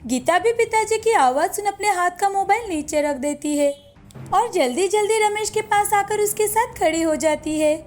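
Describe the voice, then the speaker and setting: Female storyteller, high and clear, steady explanatory narration for a kids' cartoon. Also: normal speed.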